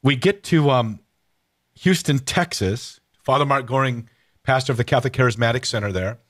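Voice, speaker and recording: A middle-aged man hosting a radio interview, telling stories in a lively, casual way with many restarts and fillers. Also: medium pitch, normal speed. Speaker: host.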